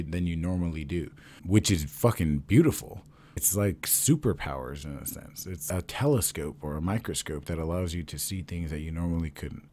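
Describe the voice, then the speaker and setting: Low-voiced casual vlogger man. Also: a little mellow. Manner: casual, swears freely, rambles. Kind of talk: casual talk to camera.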